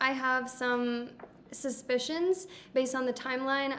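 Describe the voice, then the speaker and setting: Someone with an American accent speaks amid audible room echo. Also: woman. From US, Arizona. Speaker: travel vlogger. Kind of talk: live stream Q&A. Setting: live stream.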